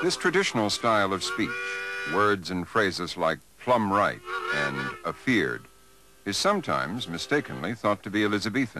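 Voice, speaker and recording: Noticeable background noise fills the recording. Over it, a man talks with lively intonation. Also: moderate pace. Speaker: documentary narrator. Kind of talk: documentary narration.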